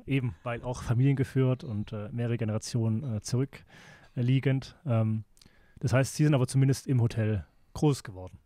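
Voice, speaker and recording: Guy doing a chatty podcast interview, mellow tone, mid pitch, dry sound, bit jokey. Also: normal speed, no echo. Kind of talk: casual conversational interview.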